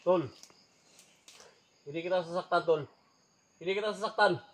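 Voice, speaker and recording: A man on an outdoor hunt, calling out loudly and then pleading in an urgent, soothing way. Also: high-pitched, normal speed. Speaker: paranormal hunter vlogger. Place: outdoors on a mountain.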